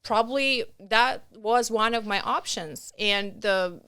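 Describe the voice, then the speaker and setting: A woman in her thirties with a Russian accent, talking earnestly and haltingly as a podcast guest. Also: fairly high pitch, bright, forceful tone, clean tone, dry recording. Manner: earnest, halting, with restarts and non-native grammar. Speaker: podcast guest, nonprofit founder. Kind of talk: conversational interview.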